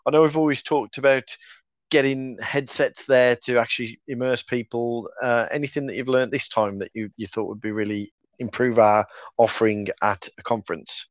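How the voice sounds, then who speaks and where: Podcast host with a Black Country accent. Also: male voice, medium pitch, fairly even intonation, normal speed, dry recording. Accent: Black Country, English West Midlands. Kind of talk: casual conversational interviewing.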